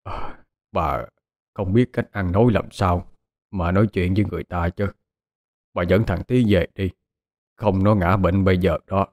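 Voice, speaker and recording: A man voicing a frail old peasant father in an audio story, begging in a broken, halting way. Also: low voice, steady tone, darkish tone, no room sound. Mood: weary.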